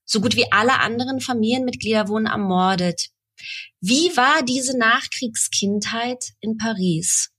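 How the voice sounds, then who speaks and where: A woman's voice: fairly high pitch, unhurried, a bit bright, slightly rough. A woman hosting a podcast, reading a prepared introduction and then asking interview questions. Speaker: podcast host.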